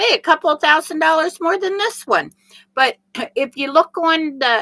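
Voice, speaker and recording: A woman's raised, projected voice with a bright, sharp tone comes through dry and close with no echo on a very clean recording with a silent background. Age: 60s. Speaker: sewing and quilting vlogger. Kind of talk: casual chat. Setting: home sewing studio.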